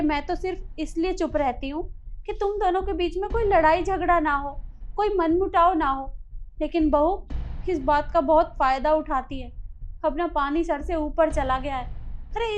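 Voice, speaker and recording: A woman's voice: sits high, close to an everyday voice. An actress playing a scheming, domineering mother-in-law who scolds and complains in a family drama. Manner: scolding, self-pitying. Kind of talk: Hindi family drama acting.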